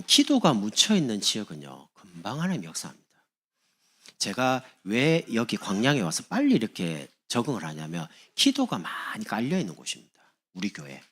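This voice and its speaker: A man from Busan, preaching a sermon as pastor in an animated, humorous way. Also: lowish voice, husky. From Busan, South Korea.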